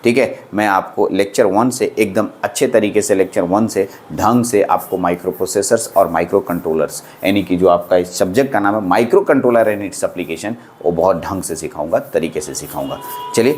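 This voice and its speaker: Chatty low-voiced man teaching electronics. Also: normal speed, a little mellow, slight background noise. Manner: chatty, reassuring, repeats phrases, says "theek hai" often. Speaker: polytechnic lecturer. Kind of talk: classroom lecture in casual Hindi with English terms.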